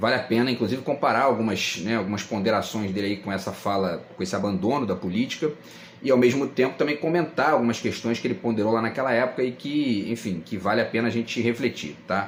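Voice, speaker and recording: A man with a medium pitch rattles along at a very fast pace, his pitch varying in an ordinary way, over noticeable background noise. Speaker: political commentator and poet. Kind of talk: casual commentary monologue. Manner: hesitant, many fillers.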